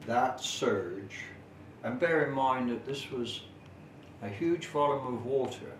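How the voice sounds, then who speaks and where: A middle-aged or older man giving an informal, detailed explanatory talk as a local history presenter, in measured, formal phrasing with hesitant pauses. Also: medium pitch. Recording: echoey, noisy room, distant camera microphone.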